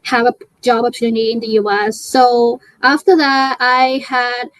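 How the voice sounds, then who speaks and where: A woman's voice: fairly high pitch, flat delivery, normal speed, fairly bright tone, dry recording, low-quality recording. A young woman from Thailand, a native Thai speaker, chatting in an interview and talking hesitantly with many fillers and restarts. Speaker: guest. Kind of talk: casual interview chat.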